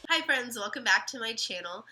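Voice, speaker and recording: A young woman vlogging casual advice, sick and slightly raspy, chatty with lots of ums and restarts. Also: a little high, lively intonation, a little fast, loud music behind the voice, poor audio.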